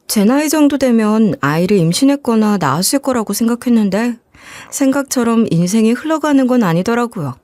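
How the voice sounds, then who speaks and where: A woman narrating a scripted life story in a gentle, even storytelling manner. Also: medium pitch, dry recording.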